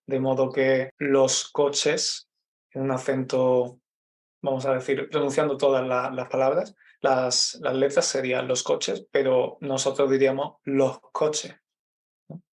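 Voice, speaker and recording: A Spanish teacher from Málaga with an Andalusian accent, explaining his dialect in an interview, measured and often checking in with "¿no?". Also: mid-range voice. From Málaga, Spain. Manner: explanatory, measured, frequent "¿no?" tags.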